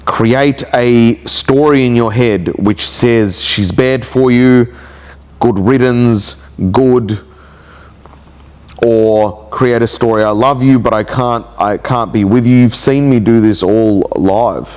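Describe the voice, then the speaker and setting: With a cold leaving his nose audibly blocked, a male vlogger talks through a personal video diary in a slow, halting, reflective way, often restarting. His medium-pitched voice is darkish yet clear and resonant.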